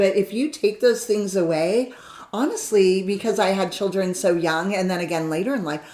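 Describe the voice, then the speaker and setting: There is noticeable background noise behind this woman. She speaks at a moderate pace and medium pitch with ordinary pitch variation. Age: middle-aged. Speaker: podcast host. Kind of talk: casual interview chat.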